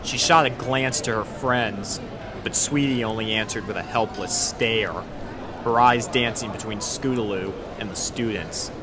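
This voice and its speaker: A man's voice: on the low side, measured pace, background noise. A man reading a scripted story aloud as its narrator. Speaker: fan fiction narrator.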